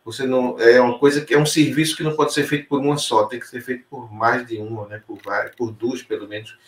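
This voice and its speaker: A man interviewing a guest, answering calmly with affirming spiritual reflections. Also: mid-range voice, fast talker. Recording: echoey room.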